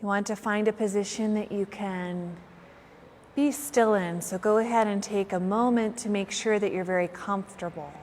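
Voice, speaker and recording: A woman yoga teacher leading a guided meditation in unhurried phrases with long pauses between them. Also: medium pitch, steady tone, darkish tone, slight background noise. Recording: long hall-like reverb.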